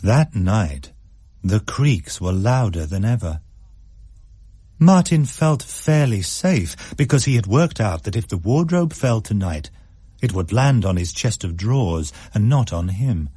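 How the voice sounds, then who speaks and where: A male storyteller reading a suspense tale at a measured, unhurried pace. His voice is low and mellow with a husky grain, and the recording is close and dry with no room sound. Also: sing-song, no echo. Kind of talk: scripted story narration.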